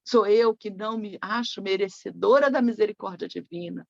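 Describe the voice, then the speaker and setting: Woman preaching, reflective, slightly gravelly voice, dull dry lo-fi sound. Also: mid-range voice, normal speed, no echo. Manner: reflective, tags phrases with "né?". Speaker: spiritist lecturer. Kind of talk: sermon.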